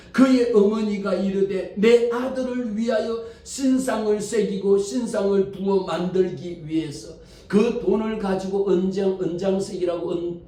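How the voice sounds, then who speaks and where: High-voiced pastor in an echoing church. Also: male voice. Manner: animated storytelling, rhetorical questions. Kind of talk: Sunday sermon. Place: church sanctuary. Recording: far mic in very echoey hall.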